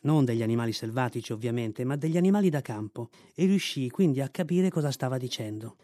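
A man reading a classic novel aloud in measured, clear storytelling narration, recorded in a radio studio. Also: mid-range voice, expressive, mellow, dry recording. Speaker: reader. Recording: dry studio radio recording with faint music.

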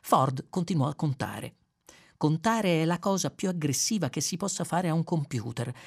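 A man narrating a novel as an audiobook, in expressive storytelling with varied pace. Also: fairly high pitch, moderate pace, gravelly, breathy edge. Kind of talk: scripted narration.

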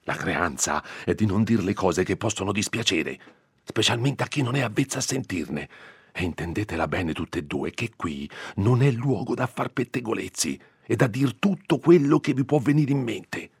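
A man voicing a fearful, irritable old male country priest who scolds in hushed urgency. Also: on the low side, expressive, normal speed, slightly rough, no echo, clean studio sound, pitched above the performer's own voice. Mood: stern lecturing.

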